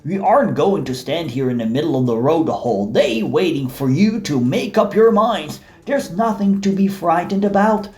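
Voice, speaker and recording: A man voicing a male Red Army soldier calling out over a loudhailer in a Russian accent. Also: a little high, lively intonation, moderate pace, few pauses, roomy sound, natural voice. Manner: loud, calling out.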